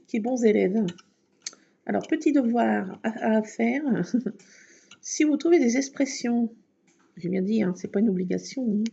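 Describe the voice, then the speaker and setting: A woman's voice: fairly high pitch, creaky, mellow, husky. A woman chatting casually while crafting, self-mocking and laughing often. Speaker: craft vlogger. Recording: dull lo-fi recording.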